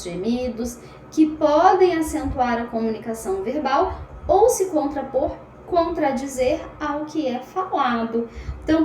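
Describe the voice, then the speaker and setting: High-voiced woman teacher, chatty and energetic, unhurried pace, recorded on computer audio. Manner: talks fast and a lot, animated, self-described anxious. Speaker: psychology lecturer. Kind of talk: online lecture. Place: home room at a computer. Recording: roomy sound, faint background noise.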